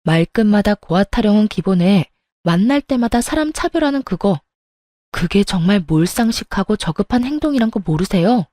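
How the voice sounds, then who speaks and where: Brief: firm female storyteller, mellow and close, dry recording. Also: mid-range voice, animated, moderate pace, no room sound. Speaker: story narrator. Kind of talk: first-person dramatized story reading.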